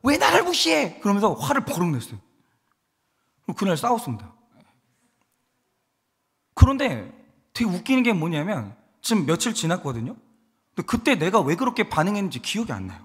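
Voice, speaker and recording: Lively, high-voiced pastor preaching in a reverberant hall. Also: male voice, brisk, long pauses, breathy edge. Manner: animated storytelling with acted quotes. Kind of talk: sermon. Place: church sanctuary.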